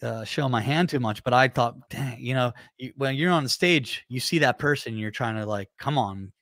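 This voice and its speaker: A man's voice: mid-range voice, moderate pace, a bit bright, no room sound. A nasal-voiced man in his thirties chats as a guest on a video call. He talks animatedly, playing out his own quoted thoughts. The sound is dry and close, with no room ring. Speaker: guest musician. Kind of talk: casual interview chat. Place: home music room.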